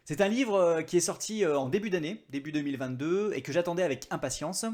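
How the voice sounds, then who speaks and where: A man's voice: on the high side, quick pace, darkish tone. A man hosting his own book review vlog, chatty and joking at his own expense. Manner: chatty, self-mocking asides. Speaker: book vlogger.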